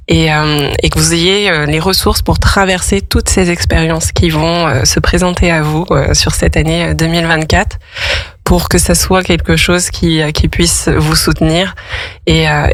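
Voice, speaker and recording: A woman hosting a casual radio interview, pausing often as she searches for her words. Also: sits low, steady tone, dry recording. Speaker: radio host. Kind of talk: casual interview and chat on a parenting radio show.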